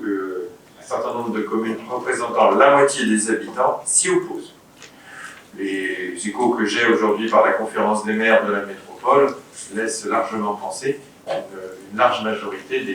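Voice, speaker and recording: A man with a French accent speaking as a mayor chairing a council meeting, explaining formally in a measured, somewhat hesitant way. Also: mid-range voice, a bit bright. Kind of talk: formal council speech, partly improvised explanation. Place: indoor council meeting room. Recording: very echoey meeting room, distant mic, faint noise.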